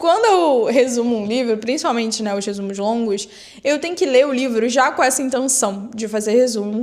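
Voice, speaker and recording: Amid noticeable background noise and audible room echo, a woman with a Rio de Janeiro accent speaks in an animated tone at a high pitch with ordinary pitch variation. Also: moderate pace. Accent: carioca. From Rio de Janeiro, Brazil. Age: 20s. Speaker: book youtuber. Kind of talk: casual vlog talk.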